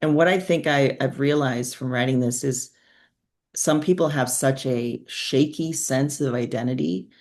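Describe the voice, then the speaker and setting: A woman's voice: rumbling low, unhurried, a little mellow. Candid woman author in casual conversation. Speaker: interview guest, author.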